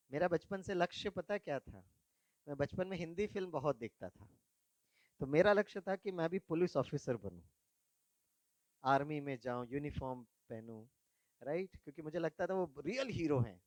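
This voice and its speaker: A man's voice: a little high, dry recording. A man giving a spiritual talk to young people, telling stories from his own life, asking the audience questions and mixing English words into Hindi. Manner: storytelling, asks the audience questions. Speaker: spiritual speaker.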